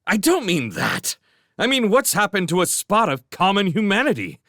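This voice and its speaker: A man's voice: on the low side, big pitch swings, moderate pace, fairly bright tone, dry recording, studio quality. A man reading aloud, voicing a proud young male apprentice who talks stiffly and guardedly and flares into outrage. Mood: outraged.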